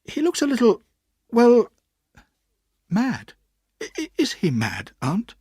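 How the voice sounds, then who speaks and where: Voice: medium pitch, wildly swooping pitch, takes it slowly, a little mellow, husky, dry recording, studio quality, voice pushed up, exaggerated voice. A narrator voicing a timid, anxious young boy who speaks in a hesitant, pleading way.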